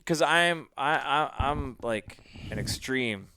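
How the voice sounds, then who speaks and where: A man's voice: medium pitch, animated, slow, bright, forceful tone, slight background noise. A man hosting a casual chat, blunt and opinionated, swearing freely.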